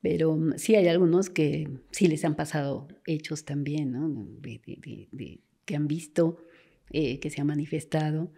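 In a low, mellow voice with some creak and a slight roughness, a forensic doctor spins conversational stories a little slowly. She performs the voices of those she quotes and occasionally lowers herself to a whisper.

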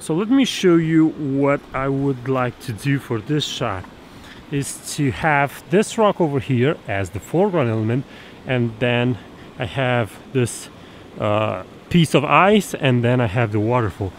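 A man's voice: fairly high pitch, poor audio. A man in his thirties giving a photography tutorial to camera outdoors by a snowy forest stream, explaining step by step with fillers and restarts, filmed at arm's length. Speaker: photography instructor. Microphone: camera held at arm's length. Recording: outdoor recording with stream noise. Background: rushing stream water.

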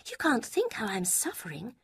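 A woman voicing a sly young woman who gushes secrets in a sweet, breathy way, with a husky tone. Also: fairly high pitch, huge pitch swings, moderate pace, no echo, studio quality, pitched above the performer's own voice, exaggerated voice. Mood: confiding.

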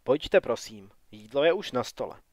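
A man's voice: medium pitch, expressive, a little mellow, dry recording, studio quality, close to an everyday voice. A man reading a gracious castle lady. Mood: polite.

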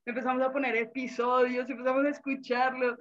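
Colombian woman caller, high voice, super gushy, kinda muffled call audio. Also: flat delivery, a crowd in the background. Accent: Colombian Spanish. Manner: effusive, gushing, quick to laugh. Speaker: caller, fan of the show. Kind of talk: excited live call-in chat.

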